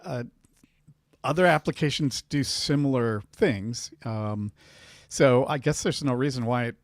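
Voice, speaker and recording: A man's voice: medium pitch, unhurried, dry recording. Hesitant man on a dry mic. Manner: hesitant, many ums and restarts. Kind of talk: casual panel chat.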